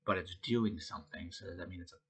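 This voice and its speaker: Male web designer, low and bright, a bit stuffy from a cold, casual think-aloud tutorial delivery. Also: quick pace, husky. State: congested from a head cold. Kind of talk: screen-recorded coding tutorial.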